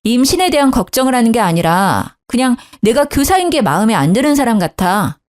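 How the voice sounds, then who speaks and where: A woman's voice: on the high side, very animated, a little fast, darkish tone. A woman in her thirties narrating a dramatized story in an indignant, emphatic way.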